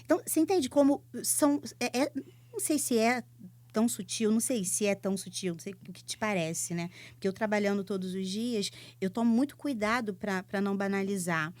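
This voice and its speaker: A woman's voice: medium pitch, a little fast, a little mellow, no echo. A woman with a Brazilian Portuguese accent, a psychologist telling stories animatedly in a podcast chat, with many fillers. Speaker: psychologist guest. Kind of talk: casual podcast conversation.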